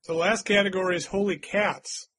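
A man's voice: high voice, steady tone, brisk, a bit bright. A man hosting a casual trivia quiz among friends, reading out clues and teasing the players in a chatty way. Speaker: quiz host. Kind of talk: casual game-show chat with friends.

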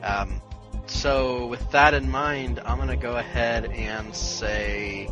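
A man's voice: medium pitch, fairly even intonation, slow pace. Man thinking aloud over music. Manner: thinks aloud with many fillers. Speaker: podcast co-host and quiz contestant. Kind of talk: casual podcast quiz banter.

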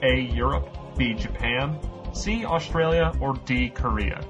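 A man hosting a casual podcast quiz, laughing as he reads the questions and choices. His voice sits at an everyday pitch. The audio is dull and lo-fi, with music clearly underneath. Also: a little slow.

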